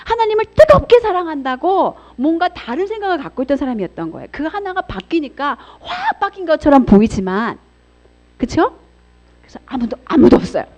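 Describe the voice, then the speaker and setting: Brief: middle-aged woman preacher, high lively voice, dramatic storytelling, dull lo-fi church recording. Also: a little fast. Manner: expressive storytelling, acts out voices, swings between loud and hushed. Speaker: pastor's wife giving a seminar talk. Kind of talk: church seminar sermon. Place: church hall. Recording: dull lo-fi sound.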